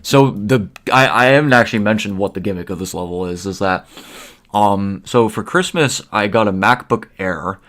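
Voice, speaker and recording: A man's voice: lowish voice, a bit bright. A young man chatting casually to his stream while gaming, rambling and restarting his sentences. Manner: rambling, halting, with repeated restarts.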